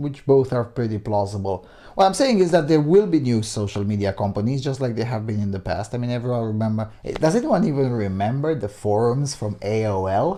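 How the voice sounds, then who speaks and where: In a non-native accent, a man talks at a fairly quick pace with medium pitch. His tone is dark and mellow, and his intonation is lively. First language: not English. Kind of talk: casual chat.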